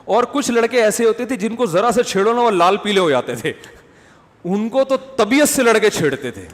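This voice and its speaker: A man delivers a humorous religious talk, his voice pitched a little high. He tells stories with comic impressions and works through audience questions. The sound carries a long hall reverb. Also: expressive. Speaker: Islamic scholar answering questions.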